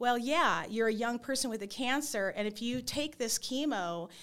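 Very clean recording with a silent background, holding an unremarkable speaking voice at a moderate pace and with ordinary pitch variation. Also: woman. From US Upper Midwest (Minnesota/North Dakota). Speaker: gynecologist. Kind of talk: casual interview.

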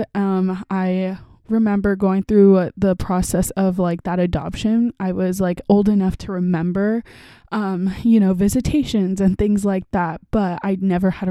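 In an American accent, a woman with a dark, mellow tone and medium pitch speaks at a moderate pace with fairly even intonation on a very clean recording with a silent background. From Arizona. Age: 20s. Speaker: podcast host. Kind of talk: personal monologue.

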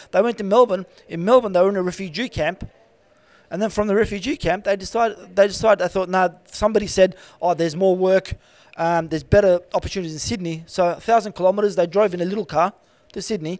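A man with an Australian accent talks very fast in a high voice. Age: 50s. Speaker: real estate client advisory manager. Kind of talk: casual interview chat. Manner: animated.

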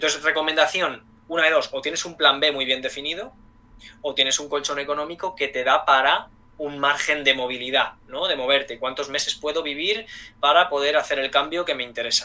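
This man talks at a fairly quick pace. His tone is bright and sharp. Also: fairly high pitch for a man, fairly even intonation. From Spain, Madrid. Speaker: motivational coach and engineer. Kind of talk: interview about healthy habits.

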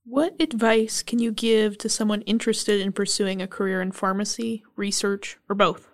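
A woman's ordinary speaking voice, fairly high in pitch, at a moderate pace with fairly even intonation and hardly any pauses. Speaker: pharmacy student podcast host. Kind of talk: interview.

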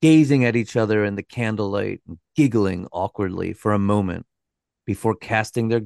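Plain reading aloud with ordinary pitch variation, set against a quiet background.

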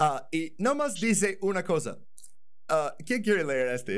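A man with an English accent, fairly slow, with very wide pitch swings and audible room echo. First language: English (speaking Spanish). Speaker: podcast host. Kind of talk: casual history discussion.

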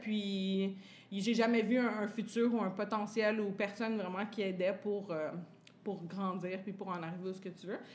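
There is audible room echo as a woman speaks at a medium pitch and a moderate pace with fairly even intonation. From Quebec, Lebanese family. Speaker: hairstylist. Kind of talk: casual interview.

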